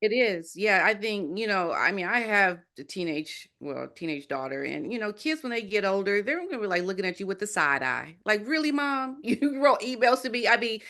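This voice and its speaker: A woman's voice: mid-range voice, sing-song, brisk, hardly any pauses, a bit bright. Blunt, scornful female guest. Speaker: guest commentator. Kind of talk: talk show discussion.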